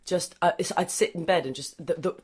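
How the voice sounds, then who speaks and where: A woman with a fairly low voice talking as a guest on a casual podcast. She thinks aloud, circles back on her own words and breaks into laughs. Her talk stays loose and unpolished. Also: fairly quick, darkish tone, breathy edge. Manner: rambling, self-interrupting, laughs easily. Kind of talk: casual interview chat.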